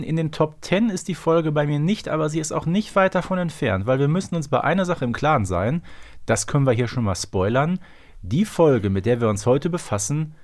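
A man co-hosting a casual podcast discussion, explaining things in detail in a conversational way. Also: fairly high pitch. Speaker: podcast co-host.

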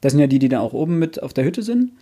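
A man's voice: on the high side, sing-song, very fast, warm tone, breathy edge. A man co-hosting a podcast in a casual book discussion, colloquial and blunt, now and then mildly crude. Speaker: podcast co-host.

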